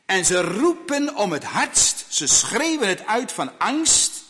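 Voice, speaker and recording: A man delivers a sermon in a fairly high voice that swings widely in pitch. He talks slowly and emphatically, repeating phrases and pausing dramatically. The long reverb of a church hall surrounds him. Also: very animated, bright, forceful tone. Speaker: preacher.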